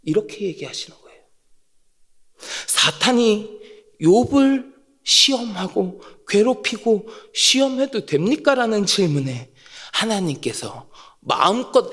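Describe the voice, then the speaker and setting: A male pastor preaching an emphatic sermon in a church, firing repeated rhetorical questions and swinging from loud to hushed. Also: very high-pitched. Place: church sanctuary. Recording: long reverb of a church hall.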